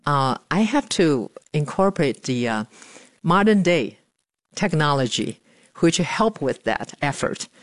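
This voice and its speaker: A woman in her seventies from Taiwan, talking earnestly about her life in a news feature interview with pauses and fillers. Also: sits low, very animated, no echo, clean studio sound. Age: 70s. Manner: earnest, plain-spoken, with frequent pauses and fillers. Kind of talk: personal interview monologue.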